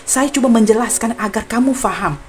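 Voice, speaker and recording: A fairly quick, slightly high voice comes through some light background noise as a young Malaysian woman reads tarot for her viewers. With a Malaysian Malay accent, she stays earnest and apologetic, speaking to her audience as dear friends.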